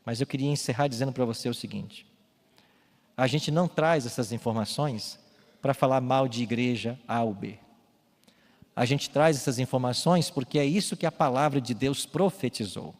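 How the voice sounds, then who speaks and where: A man's voice: medium pitch, normal speed. Man, pastor, sermon, emphatic preaching, long church reverb. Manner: emphatic preaching, rising to loud calls. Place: church with baptismal tank. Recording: long hall reverb, faint music.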